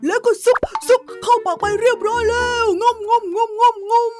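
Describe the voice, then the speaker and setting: A cheeky cartoon boy, teasing with playful sing-song repetitions. His voice is very high. Children's music plays beneath. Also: fairly even intonation, fairly quick. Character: cheeky young male cartoon friend, teasing mock commentator.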